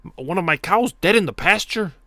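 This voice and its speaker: A man's voice: lively intonation, fairly quick, no room sound, studio quality, heavily acted. A man voicing a worried middle-aged male rancher phoning the police, with an exaggerated Mexican accent and an urgent, pleading manner. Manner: pleading, urgent, loud and high.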